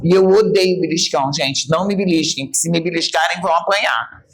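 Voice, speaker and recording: A woman's voice: on the low side, fairly quick. A woman with a Brazilian Portuguese accent leads a church Bible study lesson. She speaks emphatically and expressively, addressing her listeners directly and acting out remarks in changed voices. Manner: emphatic and expressive, talks straight to the group.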